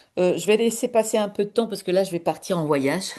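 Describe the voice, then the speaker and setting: A woman talks at a fairly quick pace. Her medium pitch shows ordinary variation. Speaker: hypnosis client. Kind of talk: testimony. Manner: loud; halting.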